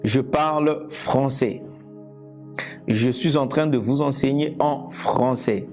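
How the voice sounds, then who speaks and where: Slow, deliberate Congolese preacher man. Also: mid-range voice, a little mellow, soft background music. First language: Lingala. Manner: slow, deliberate, repeats and restarts phrases. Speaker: evangelist preacher. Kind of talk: teaching sermon. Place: indoors, seated.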